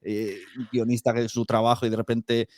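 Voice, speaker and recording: A man's voice: medium pitch, flat delivery, a little fast, darkish tone, no room sound, clean studio sound. Casual man with a Spain accent. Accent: Spanish from Spain. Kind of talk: casual conversational interview.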